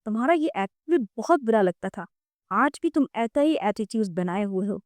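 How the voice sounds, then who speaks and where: A woman's voice: medium pitch, steady tone, dark tone, dry recording, studio quality, close to an everyday voice. A woman reading the part of a brooding, irritable husband who speaks bluntly. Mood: irritated. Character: man, brooding wealthy husband.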